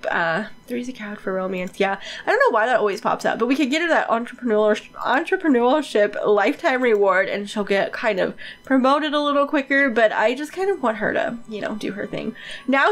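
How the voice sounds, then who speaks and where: Female gaming host, high-ish voice, congested with a cold, chatty and informal running commentary. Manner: chatty, informal, emphatic repetition. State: stuffy-nosed from a cold. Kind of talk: casual game commentary.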